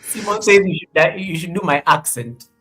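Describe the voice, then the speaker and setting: A woman co-hosting a casual chat, friendly and quick to laugh, passing along viewer questions. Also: fairly low pitch, lively intonation, fairly bright tone, slightly rough, faint music behind. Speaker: co-host.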